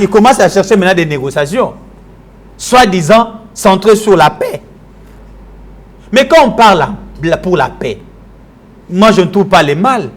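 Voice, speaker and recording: A man from Kinshasa with a Congolese French accent, delivering a combative political tirade on a TV show and switching into Lingala. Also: high voice. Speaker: political commentator.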